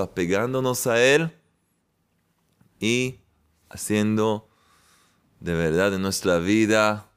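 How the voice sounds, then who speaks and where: Male spiritual teacher, unhurried and resonant, repetitive and jovial. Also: lowish voice, smooth. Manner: warm-hearted, repetitive, chuckling often. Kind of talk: sermon-like talk with jokes.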